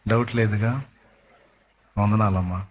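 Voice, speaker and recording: A man's voice: fairly low pitch, fairly even intonation, a little hiss or hum. A male pastor preaching a sermon with emphatic rhetorical questions to his congregation. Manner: briefly sings hymn lines slowly. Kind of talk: Telugu sermon.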